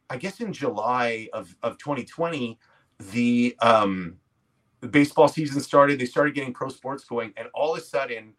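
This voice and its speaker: A Canadian man in his forties chats as a guest, with a voice of ordinary middle pitch. He tells his stories casually and loosely, poking fun at himself as he goes. It has the easy flow of a conversational interview. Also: fairly bright tone, low-quality recording. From Quebec, Canada. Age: 40s. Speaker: podcast guest, comedy actor and writer.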